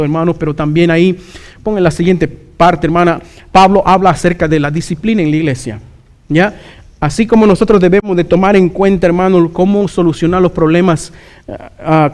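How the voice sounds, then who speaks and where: A male pastor preaching a sermon with earnest emphasis, dropping to hushed pleading and calling listeners brother. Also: on the high side.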